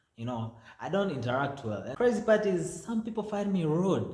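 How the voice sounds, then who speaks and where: A man's voice with very wide pitch swings, audible room echo and noticeable background noise. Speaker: vlogger telling personal story. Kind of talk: storytime monologue. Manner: soft-spoken; halting, repeats words.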